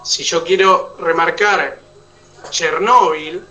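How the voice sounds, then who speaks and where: A man with an Argentine Spanish accent gives an online oratory class, walking his students through each step and making sure they keep up. His voice is high and fairly bright, at a normal speed. He sounds distant from the mic, and the recording quality is poor.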